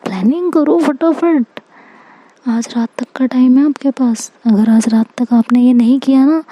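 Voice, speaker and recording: A teasing young woman lover, coaxing and playful, speaking slowly in a mellow, somewhat high voice, as a woman storyteller puts her on. Her lines drop to half-whispers. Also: dull audio, slight background noise.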